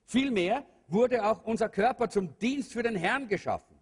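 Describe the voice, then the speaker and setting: High-voiced husky preacher in a hall. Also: male voice, lively intonation, normal speed. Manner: earnest preaching with fillers and rhetorical questions. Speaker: pastor. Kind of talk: sermon. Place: church hall. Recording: long hall reverb.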